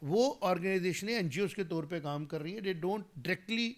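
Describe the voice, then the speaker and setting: A man in his 40s with a high-sitting voice, speaking at normal speed, is a guest commentator in an interview. His political commentary is emphatic, growing heated as he argues, and he mixes English phrases into his speech.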